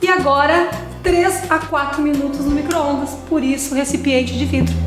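A woman speaks at a very slow pace in a high voice. Clear music plays behind her, and the room echo is audible. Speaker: cooking show host. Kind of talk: tutorial. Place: kitchen.

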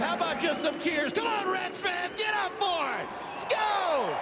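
A man is heard over loud background noise. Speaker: sports broadcaster, event host. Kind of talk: live event hosting, sports commentary. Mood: jokey, playful. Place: stadium. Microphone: handheld.

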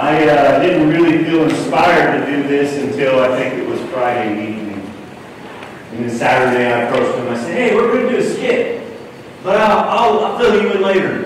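There is strong room echo and light background noise as a man speaks at a moderate pace. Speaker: speaker, skit narrator. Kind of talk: sermon-style storytelling narration. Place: church.

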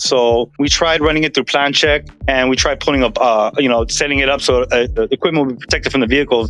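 Faint music plays in the background. A man speaks with fairly even intonation. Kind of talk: explaining a problem on a support call. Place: garage. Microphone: video call.

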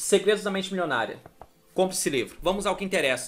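This man has a bright, sharp tone. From southern Brazil, Florianópolis; Santa Catarina, Brazil. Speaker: online marketer; online business youtuber. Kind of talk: video tutorial. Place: home room.

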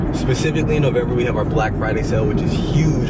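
The speech moves at a very fast pace over loud background noise. The sound is dry, with no echo. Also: man. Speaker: vlogger. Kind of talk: casual vlog chat. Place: car.

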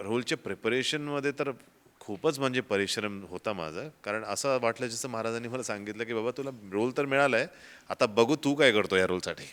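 This very clean recording, with a silent background, features a man in a plain, everyday voice. His pitch is medium with ordinary variation. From Mumbai, India. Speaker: film actor. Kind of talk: interview.

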